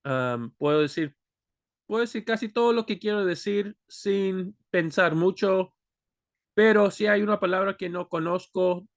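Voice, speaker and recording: A man with a slightly high voice talks straight into his computer mic in a dry, close room. He was born in Peru and his first language is Spanish. He rambles, restarts his sentences and pokes fun at himself as he goes. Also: normal speed, dry recording. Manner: rambling, self-deprecating, many fillers and restarts. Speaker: language vlogger. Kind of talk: unscripted rambling talk to camera.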